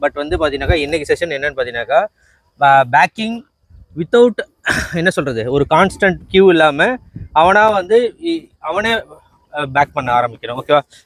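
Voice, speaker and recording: Lively intonation marks a man's fairly high pitch, heard in a dry, close sound with no echo. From Tamil Nadu, India. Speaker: horse trainer. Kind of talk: horse training tutorial talk. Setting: outdoors. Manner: casual.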